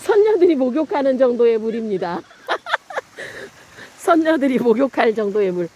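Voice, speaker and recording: High-pitched, animated woman narrating outdoors. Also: quick pace, slightly rough. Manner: excited cheering and exclaiming. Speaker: camera operator and narrator. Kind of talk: live running commentary, casual vlog. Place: outdoors beside a snowy stream. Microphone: behind the handheld camera. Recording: noisy outdoor phone camera recording.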